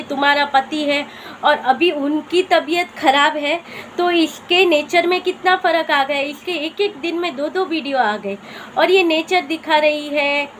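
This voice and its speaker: High-voiced woman, gossipy vlog chatter. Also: slight background noise. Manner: chatty, gossipy, talks straight to viewers. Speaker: vlogger commenting on other vloggers. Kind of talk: casual commentary vlog.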